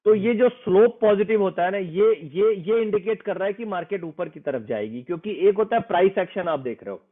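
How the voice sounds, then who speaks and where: A man explains a trading method in an interview. He is earnest and persuasive, and he slips English phrases into his talk. His voice sits fairly high and comes through a thin, phone-like line. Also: lively intonation, fairly quick. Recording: tinny phone-like sound.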